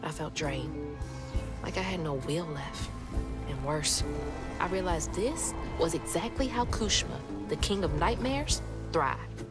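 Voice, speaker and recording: A woman's voice: deep voice, lively intonation, takes it slowly, loud music behind the voice. An actress playing a determined young heroine in a video game, terse and resolute, who also narrates her story reflectively.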